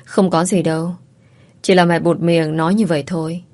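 A woman voicing a sick older mother who speaks gently and wistfully, with a teasing touch. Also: fairly low pitch, flat delivery, normal speed, lightly acted. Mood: gentle.

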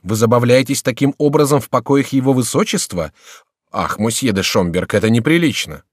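A man's voice: medium pitch, expressive, fairly quick, breathy edge, dry recording, studio quality. A man voicing a timid, flustered male court musician who stammers at times.

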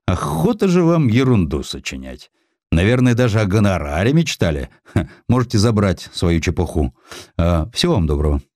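Guy doing a snooty editor man, low voice, condescending, brushing people off, audiobook style. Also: sing-song, moderate pace, darkish tone. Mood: scornful. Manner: scornful, condescending. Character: haughty, dismissive male magazine editor brushing off an author.

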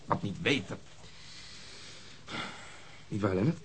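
An actor playing a gruff, brooding, stubborn police detective in a radio drama, with a grumbling, sardonic manner. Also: male voice, lowish voice, slow, slight background noise. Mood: persistent, grumbling.

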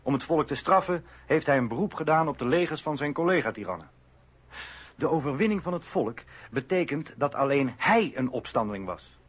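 Husky, stern revolutionary orator. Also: male voice, fairly high pitch, expressive, fairly quick. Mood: stern, accusing. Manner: accusatory, declamatory. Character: stern radical male revolutionary orator denouncing a king. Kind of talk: political speech in a radio docudrama. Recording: dull lo-fi radio recording.

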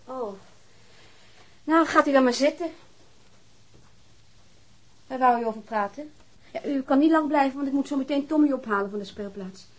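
A woman's voice: high voice, moderate pace, pauses often, low-quality recording. A woman acting in a radio drama as a struggling mother, weary and guarded, with a plaintive manner. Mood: wary, irritated.

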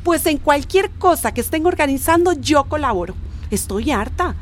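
A woman playing an excitable, fed-up village neighbor in a radio drama, speaking in a shrill and emphatic way. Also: moderate pace.

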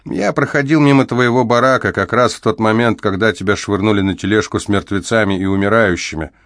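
A man voicing a kind, gentle older male prisoner who looks after a sick young man, speaking in a reassuring way in an audiobook. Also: lowish voice, a little fast, dry recording, clean studio sound. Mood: caring. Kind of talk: audiobook character voice.

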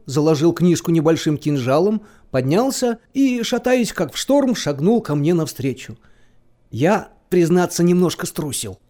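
Lively, high-pitched young male narrator. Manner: animated, expressive storytelling. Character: excitable young male student narrating a humorous sea tale. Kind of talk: dramatised scripted narration for audio play.

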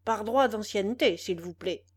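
A woman's voice: mid-range voice, moderate pace, breathy edge, close to an everyday voice. A woman doing a boastful, strapping young villager. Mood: possessive. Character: big, sturdy young cattle dealer's son, boastful.

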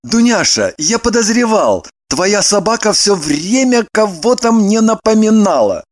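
A woman reading an audiobook, voicing an earnest, flustered young man who blurts out his words in a halting way. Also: mid-range voice, very animated.

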